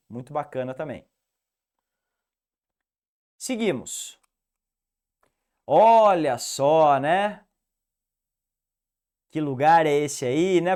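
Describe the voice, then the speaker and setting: A male English teacher with a Piracicaba accent, giving an animated, didactic video lesson and repeating the rules for the student. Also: fairly high pitch. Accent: Piracicaba interior São Paulo, rolled R.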